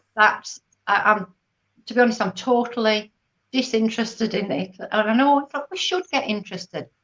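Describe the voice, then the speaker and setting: A woman with a plain, everyday voice talks at a fairly quick pace, her fairly high pitch carrying lively intonation. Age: 60s. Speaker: ballet fitness instructor. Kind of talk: casual interview chat.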